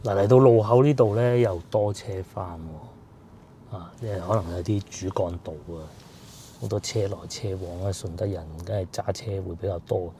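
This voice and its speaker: A man's voice: on the low side, steady tone, normal speed, dark tone, a little hiss or hum. A man with a Cantonese accent giving rambling, casual vlog narration while riding through streets outdoors. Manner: chatty, rambling with fillers. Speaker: food vlogger.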